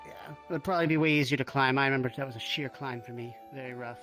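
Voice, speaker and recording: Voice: medium pitch, steady tone, rapid-fire, a bit bright, close to an everyday voice. A performer playing a mild, bookish potion researcher in an improvised fantasy roleplay, polite, hesitant and rambling. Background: music.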